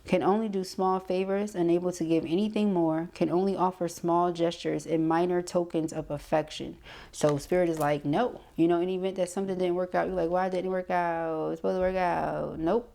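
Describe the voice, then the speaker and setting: Woman, slightly low pitch, soft dark tone, casual intuitive card reading, conversational, frequent check-in tags. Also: fairly even intonation, fairly quick, creaky. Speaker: tarot card reader.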